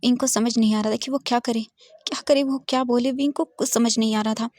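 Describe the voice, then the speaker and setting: A woman's voice: a little high, fairly even intonation, brisk, a little mellow, dry recording, clean studio sound. A woman casually retelling a fan fiction story in plain, explanatory storytelling.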